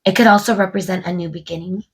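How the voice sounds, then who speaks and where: A woman reads tarot cards aloud to camera in a casual way, musing to spirit and her viewers while a little stuffed up from a cold. She talks fast in a low, steady voice, with background noise audible.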